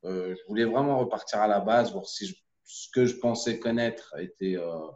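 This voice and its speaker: A man's voice: fairly low pitch, normal speed, darkish tone. A man from the Paris region who coaches amateur basketball, speaking hesitantly and reflectively with many fillers, over a video call. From Paris region, France. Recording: echoey, muffled video call audio.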